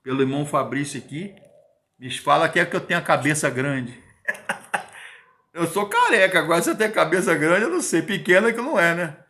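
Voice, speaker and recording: A man's voice: on the high side, lively intonation, a little fast, sharp tone. A man in his fifties giving an informal Bible teaching, emphatic and repetitive, often digressing and adding tag questions. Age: 50s.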